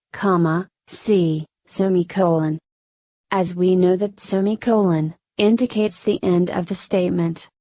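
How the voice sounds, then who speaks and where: A woman narrating a programming tutorial in a flat, synthetic-sounding scripted delivery. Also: fairly low pitch, no room sound.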